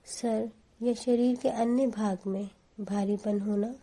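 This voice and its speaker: A woman giving guided meditation instructions in a calm, soothing, deliberate manner. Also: on the high side, low-quality recording.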